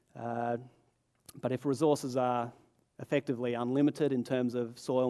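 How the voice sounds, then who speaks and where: A man with an Australian accent speaks at a medium pitch in a dark, mellow tone over a quiet background. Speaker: botanist. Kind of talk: lecture. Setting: stage with audience. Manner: hesitant, many fillers.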